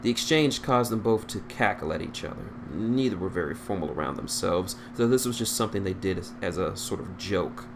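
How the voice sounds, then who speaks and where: A man's voice: low voice, animated, fairly quick, hardly any pauses. A man reading fan fiction aloud as an amateur narrator, stumbling over words, on a noisy recording.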